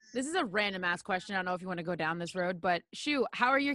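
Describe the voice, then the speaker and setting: A woman with an American accent talks at a very fast pace, using a medium pitch and lively intonation, on a very clean recording with a silent background and a dry, close sound with no echo. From Dighton, Massachusetts. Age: 20s. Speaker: former radio host, podcaster. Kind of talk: casual chat.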